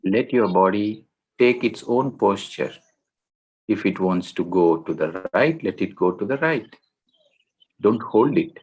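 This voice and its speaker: Male meditation guide, slow and gentle, with a low voice and deliberate pauses. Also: lively intonation, slightly rough, poor audio. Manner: gentle, deliberate, short phrases with long pauses.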